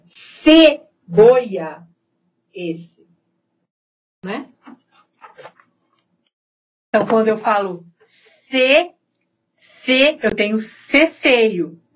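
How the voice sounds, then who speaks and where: Slow, husky Brazilian woman teaching. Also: medium pitch, poor audio. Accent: Brazilian Portuguese. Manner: slow, repetitive, demonstrating sounds and checking in with "né?". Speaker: university Spanish teacher. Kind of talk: recorded lecture on Spanish pronunciation.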